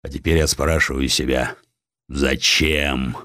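A man's voice: extremely low pitch, fairly even intonation, unhurried, bright, forceful tone, dry recording, clean studio sound, voice pushed down, full character voice. A man voicing a guilt-ridden, bitter bankrupt in his forties, mournful and resigned, in an audiobook story. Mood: bitter despair.

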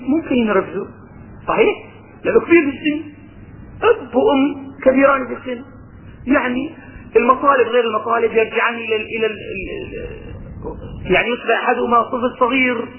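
A man with a Levantine Arabic accent teaching a religious lesson. He mixes colloquial talk with recited verses and asks his listeners rhetorical questions. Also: very high voice. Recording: tinny phone-like lo-fi recording.

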